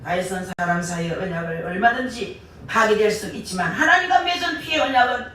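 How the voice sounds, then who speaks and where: A woman preacher delivering an impassioned sermon, rising to shouts on key words, recorded from a distance in a church sanctuary. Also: medium pitch, expressive, a little fast. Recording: echoey church hall, far from mic.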